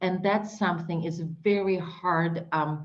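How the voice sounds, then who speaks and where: With a Russian accent, a woman speaks at a fairly low pitch and with fairly even intonation, with audible room echo and music playing in the background. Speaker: international relations coordinator, army veteran. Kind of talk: Q and A answer. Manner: hesitant, many fillers.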